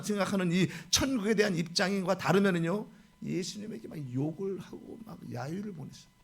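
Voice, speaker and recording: A pastor preaching a sermon, telling the story with lively swings between loud exclamations and hushed asides. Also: male voice, high-pitched, gravelly.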